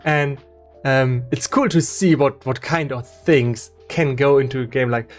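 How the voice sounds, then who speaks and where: A man's voice: medium pitch, soft background music. German-accented man chatting on stream. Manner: halting, many restarts and fillers, laughs often. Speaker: game developer streamer. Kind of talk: casual live-stream chat.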